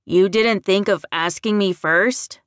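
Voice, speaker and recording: Audiobook role: bitter, combative young werewolf man , read by a woman, unhurried, dry close sound. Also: mid-range voice, dry recording, lightly acted. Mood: outraged. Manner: combative, demanding, sarcastic. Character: angry, sick, accusing young man turned werewolf.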